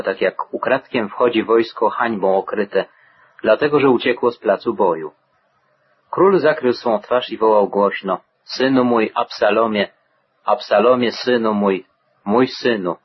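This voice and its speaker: A man reads scripture slowly and solemnly in a breathy, husky voice pitched on the low side. The sound is muffled and lo-fi, like an old radio broadcast. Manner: measured, solemn reading. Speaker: Bible reader.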